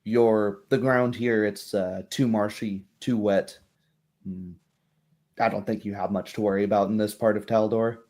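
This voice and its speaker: A low-pitched, casual townswoman, acted out by a man in a tabletop roleplay. She muses hesitantly and informally, helpful and curious as she talks. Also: fairly even intonation, unhurried, darkish tone, lightly acted. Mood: musing.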